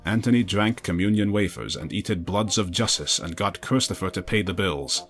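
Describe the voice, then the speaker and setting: Male narrator, low register, earnest delivery of a comic story in broken English, music underneath. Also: moderate pace, a bit bright.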